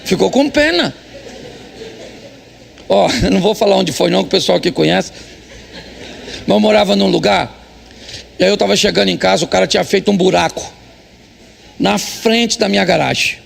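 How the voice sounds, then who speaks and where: A man's voice: high voice, brisk, creaky, pauses often, a little hiss or hum. A middle-aged man with a Brazilian Portuguese accent, preaching a humorous sermon in church, teasing the congregation. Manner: joking, teasing, acts out quotes. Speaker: pastor.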